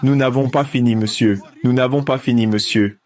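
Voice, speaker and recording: A man's voice: medium pitch, steady tone, normal speed, darkish tone. A man asking a question from the audience of a public debate, polite but persistent, citing references.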